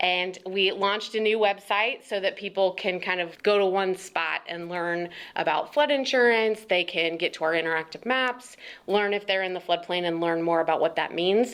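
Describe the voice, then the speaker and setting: An ordinary speaking voice from a woman at medium pitch, on a very clean recording with a silent background. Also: ordinary pitch variation, moderate pace. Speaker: state agency floodplain division manager. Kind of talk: interview on work accomplishments.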